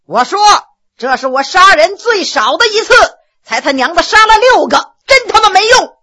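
A woman's voice: high-pitched, sing-song, takes it slowly, heavily acted. A woman voicing a brash, mocking male general who teases and laughs at his judges in a spoken storytelling. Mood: shouting. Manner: teasing, laughing, loud outbursts.

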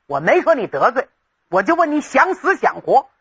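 A woman's voice: sits high, very animated, moderate pace, fairly bright tone, slightly rough, lo-fi sound, exaggerated voice. A woman storyteller voicing a hotheaded, rowdy young nobleman who blusters and makes bossy threats. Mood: threatening.

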